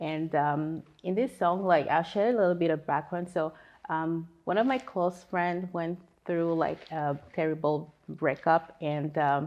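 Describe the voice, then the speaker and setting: A woman with a French accent talks fairly slowly at a fairly low pitch, with ordinary pitch variation. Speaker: singer. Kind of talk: interview. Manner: halting, many fillers.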